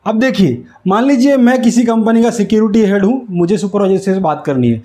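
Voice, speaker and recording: High-pitched man teaching. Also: animated, fairly quick, mellow. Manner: explanatory, repeats key phrases. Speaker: instructor. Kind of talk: instructional whiteboard lesson. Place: small indoor room with whiteboard. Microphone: lapel mic.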